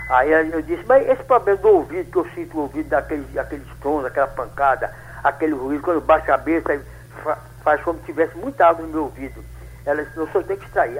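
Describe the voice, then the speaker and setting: Old guy in his 80s calling a radio show, kinda high voice, stumbles and restarts a lot, faint hiss on the phone line. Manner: rambling, halting storytelling with many restarts. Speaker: caller.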